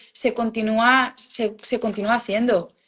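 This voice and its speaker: Speaking fairly slowly, a woman uses a high-pitched voice. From Spain, Catalonia. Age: 30s. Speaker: witchcraft practitioner and author. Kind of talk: interview conversation. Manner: hesitant, repeating words.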